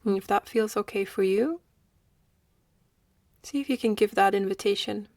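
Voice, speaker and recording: Woman guiding meditation, creaky close dry voice. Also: medium pitch, dry recording. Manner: slow, gentle, with long pauses. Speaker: meditation guide. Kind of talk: guided meditation.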